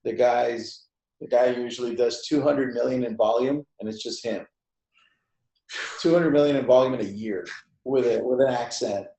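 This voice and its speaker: A man's voice: medium pitch, moderate pace, dark tone. A man hosting a casual group webinar chat in an informal, laid-back way. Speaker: host of a group discussion. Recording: echoey room.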